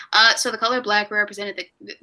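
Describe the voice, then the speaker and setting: A woman's voice: mid-range voice, sharp tone. A woman in her twenties hosting a casual live stream, rambling and laughing at herself. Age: 20s. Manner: giggly, rambling, self-mocking. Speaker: stream host.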